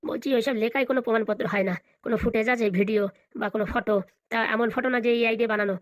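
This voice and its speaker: A woman's voice: fairly high pitch, steady tone, rapid-fire, no room sound, studio quality, natural voice. A woman voicing a deferential, flustered police officer in a comedy cartoon, hesitant and placating. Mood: puzzled.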